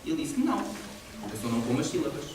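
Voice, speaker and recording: Lively teacher in an echoey hall. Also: male voice, a little high, fast. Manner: lively, explanatory, laughs often. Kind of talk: classroom poetry lesson. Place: large echoey library hall. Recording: echoey hall, distant mic, noisy.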